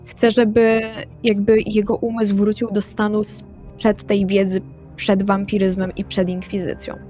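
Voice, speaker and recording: A woman takes part in a tabletop role-playing game as a player. She sets out her moves in a mid-range female voice over soft music. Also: mid-range voice, flat delivery, a little slow.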